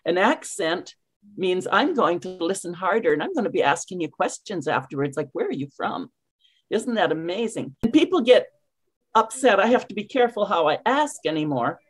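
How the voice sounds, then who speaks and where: An older Canadian woman coaching English on a video call, speaking with crisply enunciated words and an emphatic, storytelling manner. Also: on the low side, very animated, moderate pace. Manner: warm, emphatic, storytelling, with clearly articulated words. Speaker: ESL coach.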